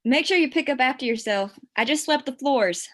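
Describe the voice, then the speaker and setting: An actress playing a self-possessed, flirtatious store clerk in a script table read, with a dry, teasing delivery. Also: female voice, high voice, expressive, brisk, fairly bright tone. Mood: wry, guarded.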